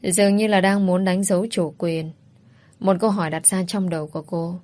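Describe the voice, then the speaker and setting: A woman reading a drama story aloud in a steady, even narration. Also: on the low side, normal speed.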